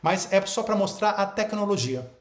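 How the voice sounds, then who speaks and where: Man, spiritual teacher, emphatic, rhetorical questions, higher voice, echoey room. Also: lively intonation, moderate pace. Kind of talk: spiritual talk to an online audience.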